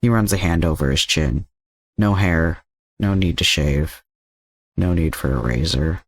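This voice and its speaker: Low-voiced man reading a story aloud. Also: a little slow, dry recording. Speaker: podfic narrator. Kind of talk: amateur audiobook narration of fan fiction.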